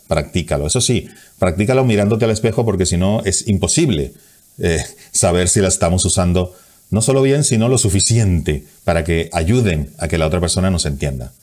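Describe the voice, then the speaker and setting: A man coaching viewers on speaking clearly, lively, stressing consonants and sometimes slowing to demonstrate. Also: lowish voice. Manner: energetic, acts out examples with hands. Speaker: communication coach. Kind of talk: tips video to camera.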